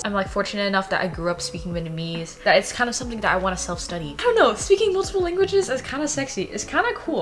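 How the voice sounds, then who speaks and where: A woman's voice: mid-range voice, a bit bright. A woman in her twenties chatting casually in a vlog while doing her makeup, bubbly and self-mocking. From United States. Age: 20s. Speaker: vlogger. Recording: music playing underneath. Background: clear background music.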